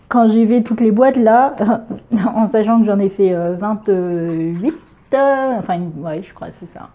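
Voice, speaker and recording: A French woman talks casually through a craft-supply unboxing. She hesitates often, searches for words and laughs easily. Her voice sits at a middle pitch with a mellow, dark tone. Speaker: crafting vlogger.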